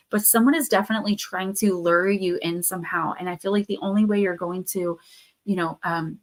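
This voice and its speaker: A woman hosting a live card reading stream, losing her voice with a sore throat, chatting loosely with many fillers and restarts. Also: mid-range voice. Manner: reads card texts aloud, then riffs loosely with fillers and restarts. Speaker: tarot and oracle card reader, channel host.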